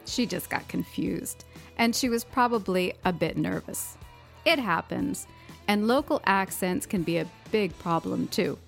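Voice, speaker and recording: A woman co-hosting an English-learning podcast, explaining things in a clear, friendly way. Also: mid-range voice, a little slow, faint music behind. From United States. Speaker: podcast co-host.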